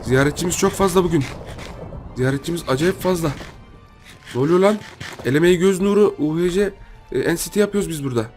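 A young man giving casual commentary on his own gameplay, talking to himself and his viewers and repeating words in quick bursts when excited. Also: a little high, faint music behind. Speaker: gaming YouTuber.

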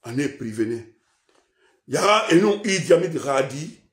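A man's voice: sing-song, a little slow. Impassioned Guinean man in an echoey room. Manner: swings between loud outbursts and low mutters; mixes French with a local language. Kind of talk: impassioned radio-style rant.

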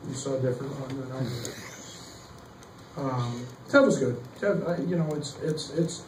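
A middle-aged man, a basketball coach, answering questions at a postgame press conference, halting with many fillers and restarts. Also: mid-range voice. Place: press room behind a table. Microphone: table mic, heard from some distance. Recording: echoey room, distant mic, faint noise.

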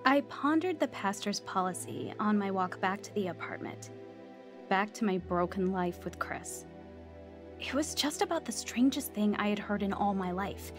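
A woman's voice: mid-range voice, lively intonation, moderate pace, music in the background, natural voice. A woman playing an earnest, emotional young Christian convert in a radio drama. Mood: reflective. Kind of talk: radio drama acting and narration.

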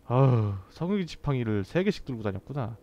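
A man's voice: mid-range voice, very animated, fairly quick, dark tone, lo-fi sound. A man doing casual game commentary as a streamer, grumbling and exclaiming coarsely.

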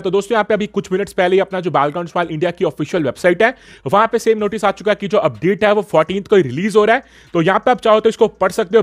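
A man with an Indian accent doing a casual gaming news voice-over as a YouTuber. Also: sits high.

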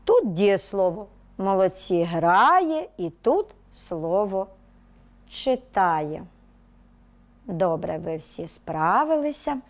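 Slow, lively woman teacher. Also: medium pitch. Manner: slow, clear dictation with stressed words; lively storytelling tone. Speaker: primary school teacher. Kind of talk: televised lesson for young children. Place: TV studio.

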